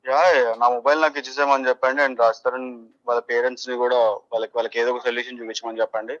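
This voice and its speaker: Very fast, bright male caller, dull line. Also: mid-range voice, little pitch movement. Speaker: phone interviewee, supporter at a protest. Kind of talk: animated news phone interview. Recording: dull, band-limited phone audio.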